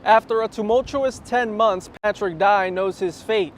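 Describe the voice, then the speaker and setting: A man's voice: high voice, measured pace, a little hiss or hum. A man reporting the news as a television reporter, reading a scripted report.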